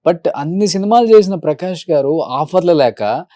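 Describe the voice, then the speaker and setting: Mellow-voiced male interview host. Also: on the high side, lively intonation, normal speed, no room sound, clean studio sound. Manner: prompting questions, brief backchannel replies. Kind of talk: casual interview.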